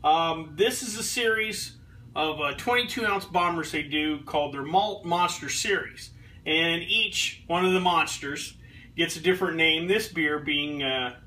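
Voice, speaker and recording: A man in his thirties reviewing beer in a relaxed, rambling way, with lots of ums and restarts, filmed in his home kitchen. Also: high-pitched, recorded from a distance. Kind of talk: casual beer review vlog. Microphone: fixed camera a few feet away.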